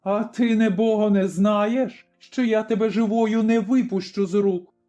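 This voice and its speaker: A grim old Cossack father speaks in slow, firm, commanding words, as a male narrator acts him out. The tone is dark and mellow, pitched fairly high for a man. Faint music sits behind the reading. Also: steady tone, dull audio.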